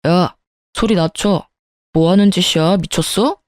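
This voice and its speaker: A woman's voice: lowish voice, unhurried, darkish tone, dry recording, studio quality, close to an everyday voice. A woman voicing a dismissive, irritable cheating husband in a spoken story, with curt and scornful retorts. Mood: irritated, dismissive.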